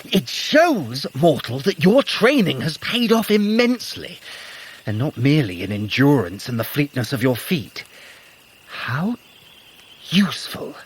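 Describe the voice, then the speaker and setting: An actor playing a sly, playful trickster god in an audio drama, smug and teasing, with arch, formal, theatrical phrasing. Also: male voice, a little high, very animated, a little slow. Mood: smug, pleased. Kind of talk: scripted audio drama acting.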